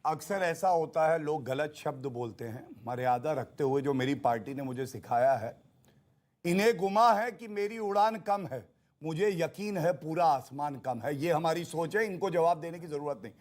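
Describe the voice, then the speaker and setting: A male party spokesman argues in a political TV debate. His voice sits a little high, and his delivery is combative and taunting. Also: expressive, moderate pace, a little mellow. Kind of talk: heated televised political debate.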